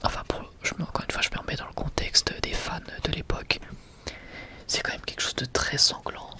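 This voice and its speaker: Whispering ASMR creator. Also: fairly quick. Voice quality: breathy, unvoiced whisper. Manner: rambling, self-correcting fan commentary. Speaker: ASMR video creator presenting a manga collection. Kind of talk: whispered ASMR, casual chat.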